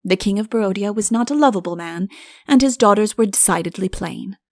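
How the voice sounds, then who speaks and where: A woman's voice: mid-range voice, brisk, no room sound, studio quality. A woman reading a comic fairy-tale audiobook as a scripted narrator.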